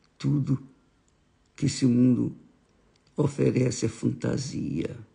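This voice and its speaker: Very slow speech from a man at medium pitch, with vocal fry. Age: 80s+. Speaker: preacher. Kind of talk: sermon.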